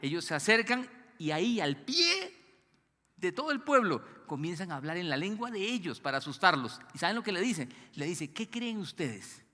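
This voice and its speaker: A man's voice: sits high, sing-song, brisk, sharp tone, in a large hall. A man preaching a sermon as pastor, asking the congregation to call out the missing words. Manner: asks the congregation to fill in words. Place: church hall.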